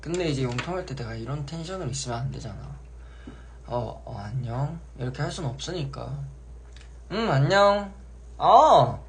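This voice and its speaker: A young man hosting a casual live stream, relaxed and chatty, sometimes acting out how he sounds on the phone. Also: medium pitch, fairly quick, vocal fry, a little hiss or hum. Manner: relaxed, chatty, acts out his own phone voices.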